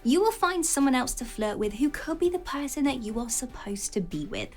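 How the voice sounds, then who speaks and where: A woman reading scripted dating advice as a voice-over, in an expressive style that slows down on each heading. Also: high voice, faint music behind. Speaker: channel narrator.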